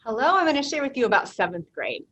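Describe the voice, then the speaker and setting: A woman's voice: on the high side, big pitch swings, fast, a bit bright, lo-fi sound. A woman from the Midwest who teaches language, walking parents through the seventh grade year in an organized way. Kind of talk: back-to-school night presentation.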